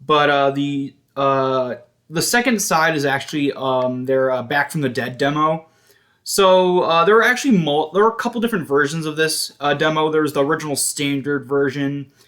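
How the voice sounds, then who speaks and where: A man's voice: on the high side, a bit bright. A man giving a casual, hesitant show-and-tell commentary as a collector, often stopping to correct himself. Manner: halting, hesitant, self-correcting. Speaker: music collector vlogger.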